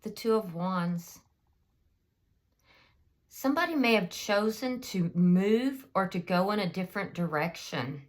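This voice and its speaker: A woman gives a casual tarot reading at a slow, unhurried pace. Her voice is slightly hoarse from a cold, and she thinks aloud with frequent ums and restarts. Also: mid-range voice, animated. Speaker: tarot reader.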